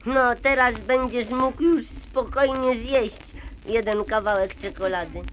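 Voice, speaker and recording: A woman plays an eager little boy puppet from a children's record, polite and coaxing. The voice sits fairly high, and it comes from an old vinyl pressing. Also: unhurried, a little hiss or hum, natural voice, low-quality recording. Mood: playful, coaxing. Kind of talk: children's audio play.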